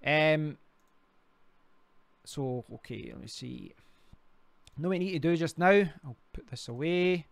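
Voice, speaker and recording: A man's voice: on the high side, expressive, a little slow, creaky, long pauses, no room sound. A Scottish man hosting a casual live stream, rambling and talking to himself while clicking through sites. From Scotland. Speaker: crypto livestream host.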